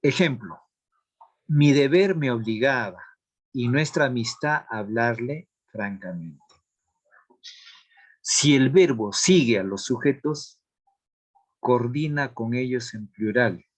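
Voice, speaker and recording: A man teaching a grammar lesson, explaining rules slowly and deliberately, reading out examples and checking in with the class. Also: mid-range voice, lively intonation. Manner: asks checking questions of the class.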